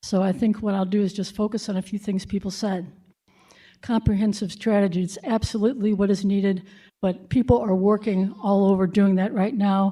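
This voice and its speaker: A woman's somewhat breathy, dark and mellow voice at medium pitch, with fairly even intonation, a fairly quick pace, and a very clean recording with a silent background. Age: 60s. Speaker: homeless outreach worker giving public testimony. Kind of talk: public comment at city committee hearing. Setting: city council committee hearing room.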